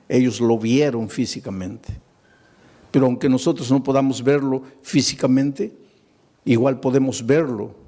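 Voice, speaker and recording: A man's voice: mid-range voice, dark tone. A man preaching a sermon, telling a Bible story with acted-out dialogue and rhetorical questions to his listeners. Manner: dramatic storytelling, acting out biblical dialogue; asks the audience rhetorical questions.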